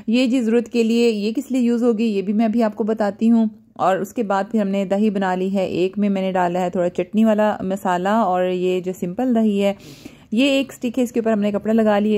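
A woman's voice: mid-range voice, warm tone. A woman with a Pakistani Urdu accent, explaining a recipe step by step in a casual home cooking vlog. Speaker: cooking vlogger. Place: rooftop outdoors at night, and a home kitchen.

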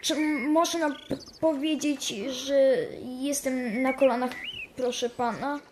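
A woman plays an injured young schoolboy in a radio drama. The voice is high, slow and hesitant, timidly polite, with faint noise behind it. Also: steady tone. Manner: hesitant, stammering.

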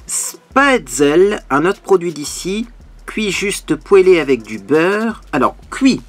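A man's voice: mid-range voice, noisy background. A man, a beauty youtuber, chatting casually and animatedly while unboxing a parcel, full of fillers.

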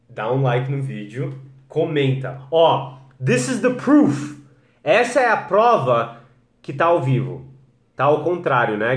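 A Brazilian man teaching English on a live stream, relaxed and chatty, greeting viewers by name and modeling pronunciations slowly. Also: a little high. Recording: echoey room.

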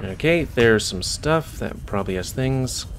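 American man with lively pitch, casual gaming commentary. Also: a little slow, slight background noise. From United States. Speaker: let's play host. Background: video game music.

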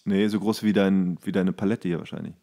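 A man's voice: sits low, steady tone, a little fast, vocal fry, mellow. A man co-hosting a podcast in casual, comedic banter, with a playful, teasing way of talking. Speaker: podcast co-host.

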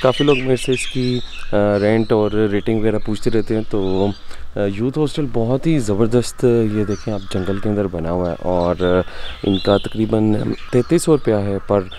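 A man's voice: on the low side, normal speed. A man in his thirties with a Pakistani Urdu accent, talking to viewers in a chatty, enthusiastic travel vlog, first outdoors in a mountain forest and then while riding a motorbike. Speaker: travel vlogger. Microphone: handheld camera at arm's length, then helmet-mounted camera. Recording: loud wind and engine noise outdoors.

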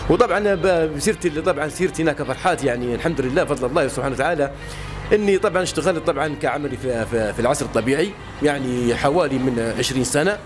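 A man in his late thirties with a Libyan Arabic accent, answering interview questions outdoors into a handheld mic, halting with many fillers and restarts. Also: on the high side, over music. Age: late 30s. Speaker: interviewee, honey trader. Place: outdoors by a wall. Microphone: handheld mic held by interviewer.

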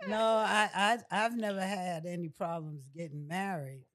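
A woman in her sixties from New York City, reflecting in a measured, deliberate way as a podcast guest. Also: fairly low pitch, steady tone. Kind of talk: reflective conversational interview. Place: small furnished podcast studio. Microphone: close boom-arm studio mic with headset.

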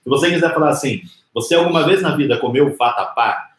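On a live stream, a Brazilian man in his forties teaches an informal, conversational English lesson, explaining didactically with rhetorical questions and example phrases. His voice is a little high and his pace quick. He's in a small indoor room with a whiteboard, and the sound is roomy and echoing.

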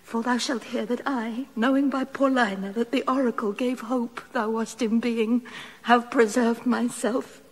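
A queen reunited with her lost daughter, prayerful and tremulous. Her voice is breathy and slow, with a lightly raised pitch. It echoes in a long hall reverb. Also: steady tone. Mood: tearful. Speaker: actress playing Hermione.

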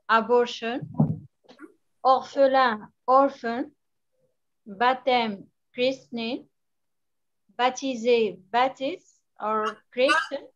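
A woman student reciting English vocabulary in an online class, slowly and hesitantly, over call audio. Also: fairly high pitch, a bit bright, dull audio. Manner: slow, hesitant listing of words.

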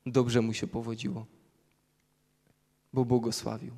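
A man's voice: mid-range voice, monotone, a little slow, gravelly, mellow. A man preaching a sermon, reading Bible passages aloud and explaining them verse by verse. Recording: long hall reverb.

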